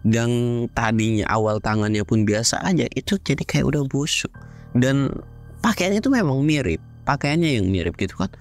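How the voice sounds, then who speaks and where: A man narrating a ghost story in a chatty, slangy way, dropping to hushed tones at the scary parts. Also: mid-range voice, animated, normal speed, faint music behind. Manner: chatty slangy retelling, sudden shifts into hushed and loud moments. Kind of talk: casual horror storytelling.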